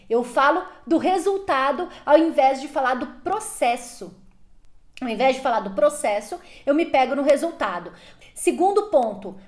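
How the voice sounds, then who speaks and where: A woman with a Brazilian Portuguese accent giving parenting advice straight to her viewers, emphatic and full of rhetorical questions. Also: high-pitched. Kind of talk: direct-to-camera advice talk.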